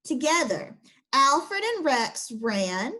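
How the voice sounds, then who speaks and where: A young woman teacher reading a children's picture book aloud and then talking through its lesson with her class. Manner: slow, expressive storybook reading with lively pitch.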